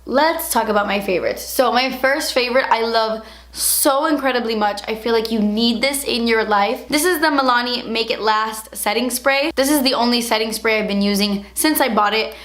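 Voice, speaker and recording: A woman in her twenties reviewing her favorite makeup products in a chatty, gushing way, her voice a little hoarse from shouting. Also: a little high, reverberant. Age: 20s. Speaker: beauty vlogger.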